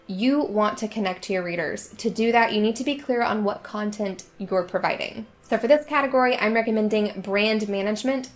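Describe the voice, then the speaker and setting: A woman in her twenties with a slightly raspy voice, just getting over being sick, chatting upbeat to her viewers in a sponsored video about writing. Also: mid-range voice. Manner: upbeat, chatty, quick asides. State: recovering from illness. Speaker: writing YouTuber. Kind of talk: sponsored video talk to camera.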